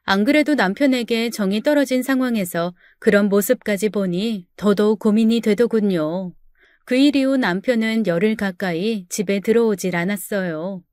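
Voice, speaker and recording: A woman's voice: a little high, darkish tone, no echo, clean studio sound. A woman narrating her own story in a confiding, first-person storytelling manner.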